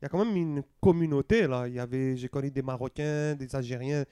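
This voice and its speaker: A man's voice: mid-range voice, fairly quick, clear, resonant tone, no room sound, clean studio sound. A man co-hosting a casual chat, mixing with English slang as he asks questions. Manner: relaxed, mixes French and English slang. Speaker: podcast co-host.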